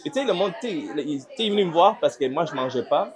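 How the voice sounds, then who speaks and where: A man hosting a podcast, with a Québécois French accent, telling stories in a relaxed casual way with many restarts. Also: fairly high pitch, very fast, crowd noise. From Guatemala. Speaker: podcast host. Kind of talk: casual chat.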